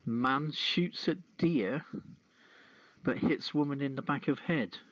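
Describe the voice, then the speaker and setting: Podcast news host: male, measured and halting, casual commentary, dry low-fidelity streamed sound. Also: dry recording. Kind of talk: casual news commentary mixing reading and chat. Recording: dull, lo-fi streamed audio.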